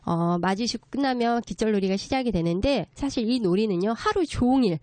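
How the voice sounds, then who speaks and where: A woman giving a conversational lecture in a polite, explanatory way, often pausing to rephrase as she goes. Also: on the high side, lively intonation, a little mellow, no room sound. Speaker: guest lecturer, children's story writer.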